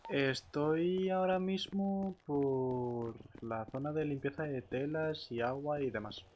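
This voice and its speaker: A man's voice: a little high, takes it slowly, muffled recording. Spanish man chatting in-game, slightly noisy mic. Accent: Spanish, from Spain. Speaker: player in an online roleplay game. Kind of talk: casual in-character game chat.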